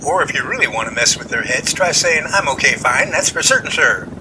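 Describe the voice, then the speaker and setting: A man's voice: mid-range voice, lively intonation, a little fast, noisy background, close to an everyday voice. A man playing an impatient, wisecracking, folksy passenger in an amateur radio drama, complaining with sarcasm. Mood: joking.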